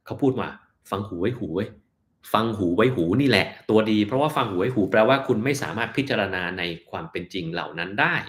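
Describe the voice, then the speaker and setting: A man with a fairly low voice hosts a casual live-stream Q&A as a doctor, answering viewers' health questions. He talks in a blunt, offhand way and sometimes drifts into mocking asides. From Thailand.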